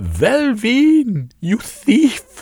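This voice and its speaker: A woman's put-on character voice, shrill and high in pitch. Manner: screeching, angry.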